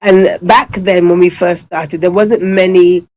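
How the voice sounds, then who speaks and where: Her voice fairly low and steady, a little slow and slightly mellow, a woman in her fifties who came from Ghana talks as a guest on a laid-back radio interview. A salon owner, she recounts her story at length, full of fillers.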